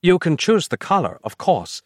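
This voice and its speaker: A man voicing a gloating villainous mastermind, with a theatrical, drawn-out menacing delivery. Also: on the high side, very animated, no room sound, studio quality, voice pushed up. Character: gloating villainous male bone-obsessed mastermind.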